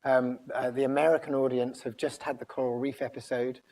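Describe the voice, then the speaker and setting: A man's voice: medium pitch, flat delivery, fairly quick, mellow, rough recording. A scientist with an English accent giving a public lecture while losing his voice, talking in a loose, conversational way with many ums and restarts. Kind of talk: public talk. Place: lecture room.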